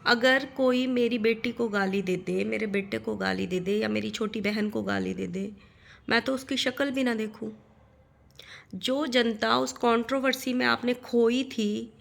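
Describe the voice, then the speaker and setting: A woman's voice: on the high side, vocal fry, fairly bright tone. A middle-aged woman ranting in a vlog at another creator, indignant, firing rhetorical questions and repeating phrases for emphasis. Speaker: vlogger.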